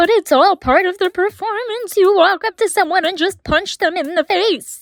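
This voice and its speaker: Putting on a squeaky character voice, a woman speaks at a moderate pace with an extremely high pitch and an enthusiastic, dramatic tone. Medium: cartoon.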